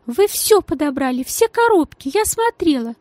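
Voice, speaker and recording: A portly society lady in a storybook, her voice thin and piping, pitched far above the narration and swooping all over as she gushes. Her manner is affected and sugary, with a venomous edge underneath, as a woman narrator puts her on. The sound is close and dry. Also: sing-song, moderate pace, a little mellow, no room sound. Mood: fussy reproachful. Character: stout genteel lady, shrill, saccharine then venomous.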